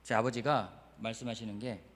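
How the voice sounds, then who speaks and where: A man preaching a Sunday sermon with lively storytelling, moving between quiet and emphatic delivery. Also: medium pitch, normal speed. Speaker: pastor. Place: church sanctuary. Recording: church hall reverb.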